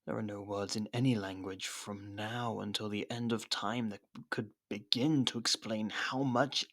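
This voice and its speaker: A man playing a captured, haughty royal rival with dry sarcasm and theatrical pauses in an ASMR roleplay. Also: on the low side, a bit bright. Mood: bitter longing.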